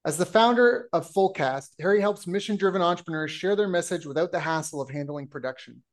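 A man's voice: high-pitched, fast. A man hosting a podcast, reading a guest introduction and then asking questions with playful teasing. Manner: playful, joking teases. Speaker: podcast host. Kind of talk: casual interview.

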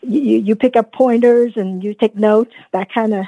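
A woman in her fifties from Vietnam, a guest telling her story in an earnest, reflective way, often pausing with "you know.". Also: fairly high pitch, fairly even intonation, no echo, phone-quality sound. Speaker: guest, dentist and coach. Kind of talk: casual podcast interview.

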